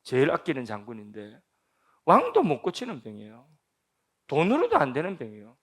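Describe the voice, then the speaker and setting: A male pastor preaching in a church, voice pitched a little high and swinging widely up and down. His tone has a gravelly edge. He keeps pressing the congregation with rhetorical questions. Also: wildly swooping pitch, a little fast. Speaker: senior pastor. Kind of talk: sermon at a Friday prayer meeting. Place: church sanctuary.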